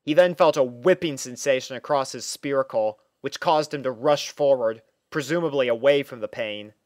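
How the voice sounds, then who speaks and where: A man narrating a scripted story in a measured, mock-serious storytelling manner. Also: mid-range voice, no room sound, studio quality. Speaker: fan fiction narrator.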